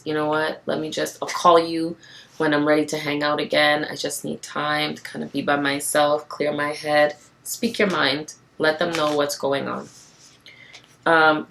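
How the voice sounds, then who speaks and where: A woman giving a casual, passionate tarot card reading to camera, with a raspy, tired voice and encouraging repetition. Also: low voice, a bit bright. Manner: passionate, encouraging, repeats phrases for emphasis.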